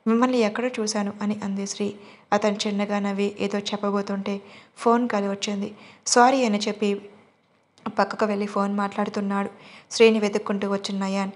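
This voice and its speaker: A woman's voice: mid-range voice, darkish tone. A woman narrating an audio romance story, reading every part in one voice.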